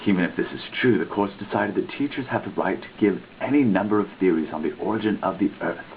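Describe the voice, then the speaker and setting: A man giving a theatrical, mock-dramatic reading of a written text, with big swings in pitch and stress. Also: fast. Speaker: reader. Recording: tinny lo-fi recording with faint noise.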